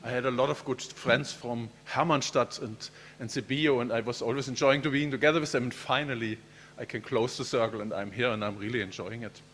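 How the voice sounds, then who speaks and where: A man's voice: mid-range voice, steady tone, fairly quick, fairly bright tone, a little hiss or hum. A man, a professor giving a keynote lecture in a friendly, chatty way, often repeating words as he speaks. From Germany.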